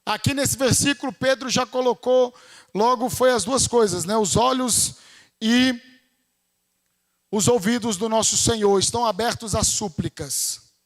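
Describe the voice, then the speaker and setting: Brazilian male preacher, very high voice, chatty church sermon that builds to shouting. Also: measured pace, in a large hall. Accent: Brazilian Portuguese. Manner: conversational preaching, rising to fervent shouts.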